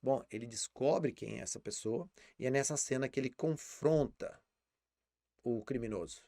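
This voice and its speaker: A man's voice: mid-range voice, normal speed, creaky, mellow, dry recording, studio quality. A man with a Brazilian Portuguese accent teaching English in a live online lesson, explaining patiently and repeating words as he thinks.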